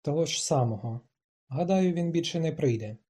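A stubborn, proud young woman from a read-aloud novel, given voice by the narrator, flinging out clipped, emphatic lines. The tone stays very dark and mellow, with a husky, breathy grain. She sounds set on her own way. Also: medium pitch, lively intonation, normal speed. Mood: cool. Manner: clipped, emphatic, rising to shouts.

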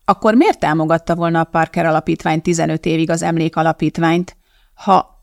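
A man's voice: a little high, steady tone, creaky, no room sound, studio quality. A reader voicing an eager, earnest male reverend who speaks hesitantly. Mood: gentle.

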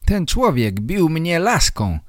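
A man voicing a scruffy, hungover male photographer who turns indignant and accusing, in a slow read-aloud story for learners. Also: medium pitch, wildly swooping pitch, darkish tone, dry recording, clean studio sound, pitched above the performer's own voice, full character voice. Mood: shrieking. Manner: indignant, then shrieking accusations.

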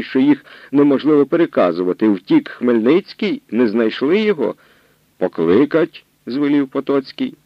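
A man narrating a historical novel as an audiobook, with steady, expressive storytelling. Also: mid-range voice, no echo, muffled recording.

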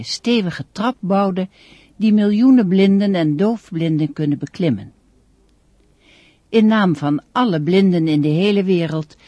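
A woman's voice: on the low side, dark tone, no room sound. Solemn elderly woman orator, dry sound. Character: elderly deafblind woman giving an impassioned, dignified speech. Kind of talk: formal ceremonial speech in radio drama.

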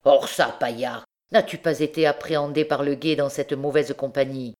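A woman's voice: rumbling low, steady tone, moderate pace, a little mellow. Louis XI, a scheming old king, read by a woman. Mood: commanding. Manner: musing, then barking orders. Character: scheming suspicious old king, brooding and commanding. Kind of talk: audiobook character reading.

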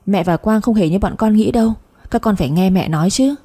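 A woman's voice: mid-range voice, fairly quick, warm tone, husky, lightly acted. A woman voicing a sweet-talking, defensive middle-aged stepmother in a read-aloud story. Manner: honeyed, evasive.

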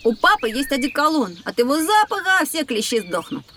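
Lady doing a cocky little boy, high bouncy voice, jokey and boastful. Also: very animated, fairly quick, bright, forceful tone, a little hiss or hum, heavily acted. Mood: carefree. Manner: boastful, playful. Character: cheeky carefree young boy.

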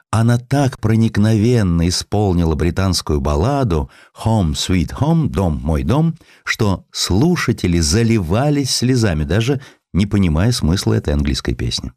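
A man reading historical sketches as scripted dramatic narration, with literary, expressive storytelling. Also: deep voice, no echo, studio quality. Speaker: audiobook narrator.

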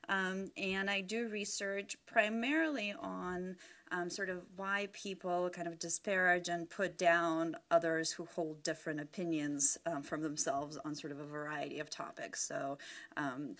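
A researcher describes her work in an informal interview, her lowish voice bright and forceful. She speaks discursively, hedging often with "sort of" and "you know."

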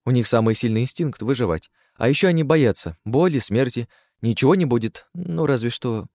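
Man voicing a brisk, eager female mage. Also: mid-range voice, lively intonation, a little mellow, dry recording, studio quality, voice pushed up, close to an everyday voice. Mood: matter-of-fact. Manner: matter-of-fact, eager and lecturing.

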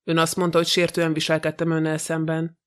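A man's voice: on the high side, monotone, a bit bright, lightly acted. A man reading the lines of a cocky, arrogant young detective in an audiobook, brash and mocking.

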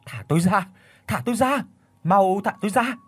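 A man's voice: high voice, expressive, rapid-fire, breathy edge, voice pushed up, exaggerated voice. A man voicing a naive young woman caught in a trap, pleading and anguished in an audiobook. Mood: frantic. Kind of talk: audiobook character voice.

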